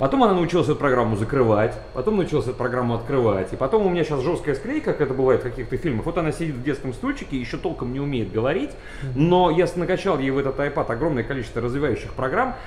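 A man at a very fast pace, fairly high in pitch with lively intonation, over noticeable background noise. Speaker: TV host. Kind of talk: casual chat. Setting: studio.

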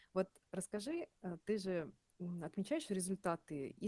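Dark, mellow woman's voice at medium pitch, somewhat breathy, at a fairly slow pace. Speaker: podcast host. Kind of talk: interview conversation.

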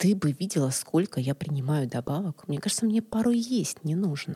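A woman's fairly low-pitched voice, warm in tone, with lively intonation. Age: 40s. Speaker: podcast co-host. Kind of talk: casual chat; heartfelt advice. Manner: warm and soft.

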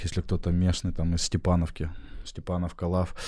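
A man with a very deep, low pitch and a dark, mellow tone speaks at a fairly quick pace. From Ukraine, Lugansk region (Pervomaisk), later Sumy region. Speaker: fight show co-host and combat sports commentator. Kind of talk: casual podcast interview. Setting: studio.

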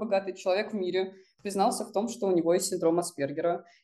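Talking at a fairly quick pace, a woman with a medium pitch is heard over noticeable background noise. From Moscow region, Russia. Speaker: blogger on mental health. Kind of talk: podcast interview.

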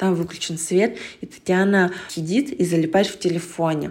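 A woman talks at a fairly low pitch with fairly even intonation. She has an unremarkable speaking voice. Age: 20s. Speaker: listener sharing a story. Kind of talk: personal story.

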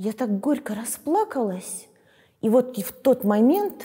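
Her voice somewhat breathy and dark and mellow in tone, a woman speaks at a fairly slow pace with ordinary pitch variation. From Grozny, Chechnya, Russia. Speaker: English teacher and teacher trainer. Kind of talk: interview testimony.

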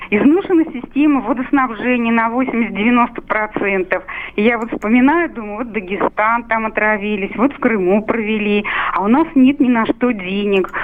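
Ordinary pitch variation and a moderate pace come through noticeable background noise. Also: woman, fairly high pitch for a woman. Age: 60s. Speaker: caller. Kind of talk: phone-in complaint. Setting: phone call.

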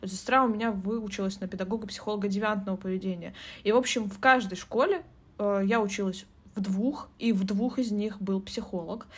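A woman speaks at a fairly quick pace with a Siberian accent, a somewhat breathy medium-pitched voice and fairly even intonation. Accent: noticeably Siberian. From Siberia, Tomsk. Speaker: podcast co-host. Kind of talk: casual chat.

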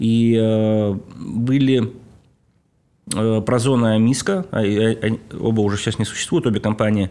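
In a very clean recording with a silent background, a man with a medium pitch and a dark, mellow tone speaks at a very even loudness, leaving long, frequent pauses. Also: ordinary pitch variation, moderate pace. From Russia, Urals (Nizhny Tagil). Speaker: football analyst. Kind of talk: interview.

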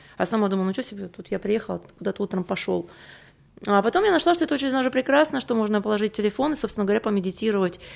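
A woman speaks with lively intonation. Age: 40s. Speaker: magazine editor. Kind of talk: interview. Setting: hotel room.

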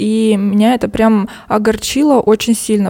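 A woman's fairly high-pitched voice carries a dark, mellow tone and fairly even intonation. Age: 30s. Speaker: entrepreneur. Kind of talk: interview.

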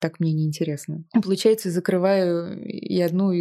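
Very slow and fairly even in intonation, a woman speaks in a fairly low voice with a dark, mellow tone. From Moscow, Russia. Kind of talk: casual interview. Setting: at her home.

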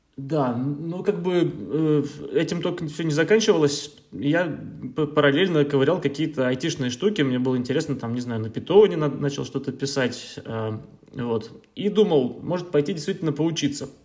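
There is noticeable background noise. Through it, a man speaks with a fairly high pitch. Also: ordinary pitch variation, moderate pace. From Russia, St Petersburg. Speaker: software developer, former sales manager. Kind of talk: interview. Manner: hesitant, many fillers.

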